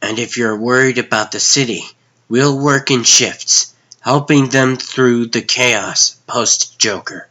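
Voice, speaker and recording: A man's voice: medium pitch, slow, sharp tone, lo-fi sound, pitched above the performer's own voice. A man voicing an earnest, loyal young superhero sidekick with an urgent manner in a comic dub. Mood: earnest, reassuring.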